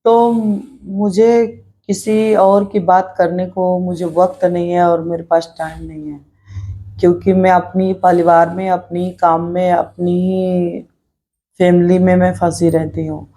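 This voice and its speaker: Middle-aged woman vlogger, earnest personal talk, flat and dark-toned delivery. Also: lowish voice, measured pace. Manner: earnest, reflective, repeats herself while speaking her mind. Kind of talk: personal vlog talk to camera.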